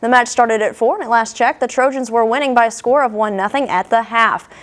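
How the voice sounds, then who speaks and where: A young woman gives the sports segment in a fairly high voice. She runs through scores and schedules at a brisk, upbeat clip. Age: young adult. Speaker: sports reporter. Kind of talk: sportscast reading.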